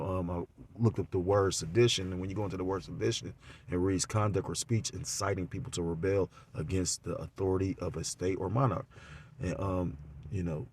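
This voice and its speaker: A man with a deep voice gives a religious lesson recorded on his phone. He talks loosely and rambles, stacking up fillers. As he goes on he grows louder and more animated. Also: a little hiss or hum. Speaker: religious teacher.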